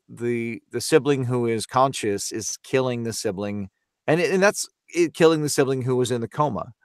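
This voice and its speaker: A man with a smooth, resonant voice at an average pitch chats on a podcast. He is expressive, sometimes halting and doubling back on words, and he sounds close and dry. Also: no room sound. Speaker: voice actor, podcast guest. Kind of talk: casual podcast discussion.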